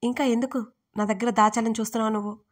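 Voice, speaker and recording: A woman voicing a possessive, angry young male lover in an audio story, talking in an accusing, forceful way. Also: a little high, steady tone, fast talker, lightly acted.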